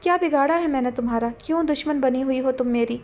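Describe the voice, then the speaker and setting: A woman's voice: high voice, a little mellow, natural voice. A woman voicing a proud young man who speaks with weary irritation and dismissal in an audiobook drama. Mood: irritated.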